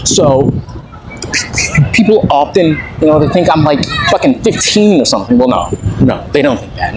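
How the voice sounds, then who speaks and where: A young adult man giving a casual, rambling audio diary, hesitantly repeating words and trailing off, with a dry, self-deprecating manner. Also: fairly high pitch. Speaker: vlogger recording an audio log. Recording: very noisy audio with clicks.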